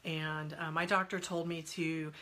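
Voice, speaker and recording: A woman's voice: sits low, level tone, a little slow, sharp tone. A woman in her forties with a stuffy head cold, chatting casually on a live stream, laughing often and greeting viewers by name. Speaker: guest speaker on a live stream. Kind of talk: casual live-stream chat answering comments.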